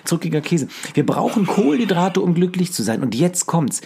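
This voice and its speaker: A man's voice: sits high, very animated, moderate pace, a little mellow, breathy edge. A man in his forties co-hosting a casual podcast, eagerly explaining science and quizzing his co-host. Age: 40s.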